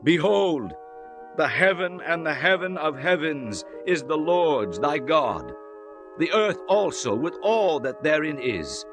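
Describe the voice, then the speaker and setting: A man's voice: on the high side, very animated, full character voice. Man playing a solemn prophet over music. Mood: fervent exhortation. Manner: solemn, declamatory, measured. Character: solemn male prophet exhorting his people. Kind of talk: dramatized scripture audiobook reading. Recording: music under the voice.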